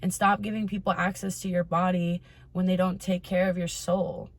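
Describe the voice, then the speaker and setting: A woman's voice: lowish voice, flat delivery, normal speed. A woman hosting a casual advice vlog, talking candidly and informally to her followers and swearing freely. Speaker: host of a personal advice vlog. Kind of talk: casual chatty monologue to followers.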